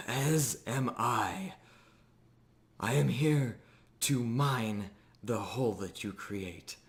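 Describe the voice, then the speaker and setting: A man's voice: mid-range voice, drawn-out words. A man voicing a testy undead miner from a tabletop fantasy game, exasperated and formal in an old-fashioned way. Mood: weary, courteous. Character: testy, mannered undead miner in construction hat.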